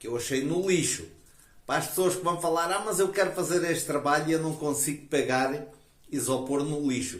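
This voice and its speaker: Speaking at a moderate pace in a European Portuguese accent, a man with a fairly high pitch is heard with audible room echo. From Portugal. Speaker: DIY video maker. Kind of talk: tutorial. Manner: conversational.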